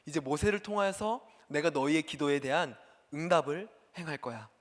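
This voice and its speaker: A man voicing God answering his people in a slow, promising way. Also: a little high, pitched below the performer's own voice, natural voice. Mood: assuring. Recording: long hall reverb.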